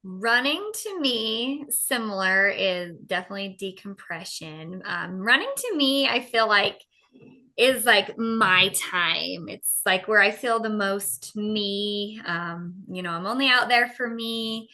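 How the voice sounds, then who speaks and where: A woman running coach talking on a podcast over a video call, chatty and quick to laugh. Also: medium pitch, lively intonation, sharp tone. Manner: giggly, chatty. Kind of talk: casual interview chat.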